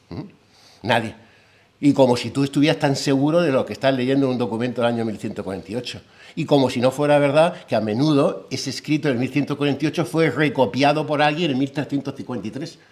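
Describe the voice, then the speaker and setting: A man with a Peninsular Spanish accent gives an academic lecture as a philologist. He explains patiently and keeps checking in with his listeners through rhetorical tag questions. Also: mid-range voice. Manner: lively, with a humorous anecdote.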